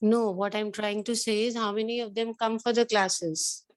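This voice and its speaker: A woman with a South Asian accent and a slightly high voice speaks as a teacher to her class. She is earnest and maternal as she admonishes, often repeating her points and mixing Hindi phrases into her English. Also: fairly even intonation, normal speed. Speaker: biology teacher addressing an online or classroom class. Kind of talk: lecturing and counselling students.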